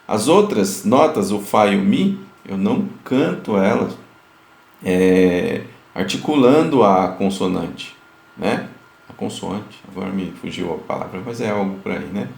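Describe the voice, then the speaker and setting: Man, music teacher, explanatory lesson, gravelly, roomy echo. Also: on the low side, expressive, measured pace, a little mellow. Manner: explanatory, many fillers, sings note examples.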